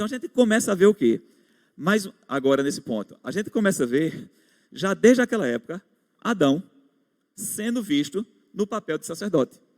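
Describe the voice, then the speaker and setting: Recorded dry and close with no echo, a man speaks at a high pitch with very wide pitch swings. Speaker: Sunday school teacher. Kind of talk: Bible class lecture. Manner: fast.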